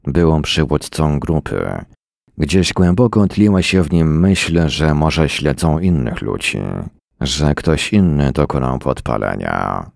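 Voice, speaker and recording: A man reading a short story aloud in a measured, dramatic way. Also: rumbling low, animated, creaky, darkish tone, no echo, clean studio sound. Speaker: reader. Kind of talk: scripted narration of a short story.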